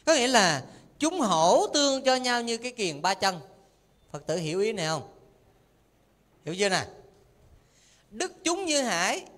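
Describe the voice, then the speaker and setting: Nhà sư giọng cao, giảng pháp sôi nổi. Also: male voice, high-pitched, measured pace, pauses often. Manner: lively, teasing questions to the audience. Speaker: Buddhist monk teacher. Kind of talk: sermon. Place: temple hall.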